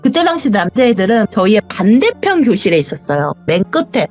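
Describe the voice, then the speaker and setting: A woman's voice: mid-range voice, big pitch swings, fairly quick, darkish tone. A woman telling her own ghost story in an interview, vividly acting out the voices of the people in it. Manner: vivid, acts out the dialogue. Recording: dull audio, faint music behind.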